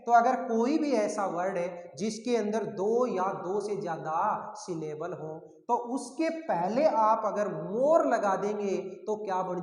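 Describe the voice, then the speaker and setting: High-voiced male teacher in echoey room. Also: a little mellow. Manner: asks questions and answers them himself, repeats key words. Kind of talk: classroom grammar lesson. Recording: echoey room with long reverb.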